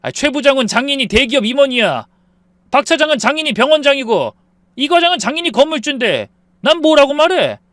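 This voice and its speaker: A man voicing an arrogant, drunk husband who sneers and shouts in a high, strained voice. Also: very animated, moderate pace, dry recording. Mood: shouting.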